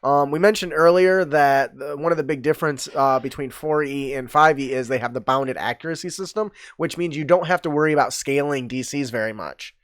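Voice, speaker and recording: A man's voice: fairly high pitch, fairly quick, hardly any pauses, dry recording. Man rambling on about game rules. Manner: rambling, many fillers, laughs easily. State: slightly stuffy nose. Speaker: podcast host. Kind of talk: casual tabletop gaming chat.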